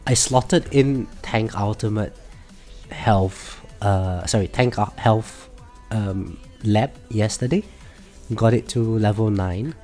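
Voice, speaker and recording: A man with a cold and a stuffed-up nose, sounding nasal as he chats casually on a live game stream, hesitating and correcting himself often. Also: on the low side. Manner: relaxed, hesitant with many fillers and self-corrections. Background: faint background music.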